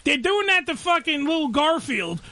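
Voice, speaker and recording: A man with a New York accent hosting a casual chat, brash and profane, joking loudly. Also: very high-pitched, very animated, normal speed, a little hiss or hum. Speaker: host.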